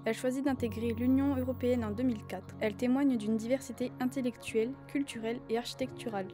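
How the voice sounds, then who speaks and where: A teenage girl with a fairly high voice reads a documentary narration with an engaged delivery. Clear music runs beneath her. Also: steady tone, fast talker. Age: teens. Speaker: student narrator. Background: background music.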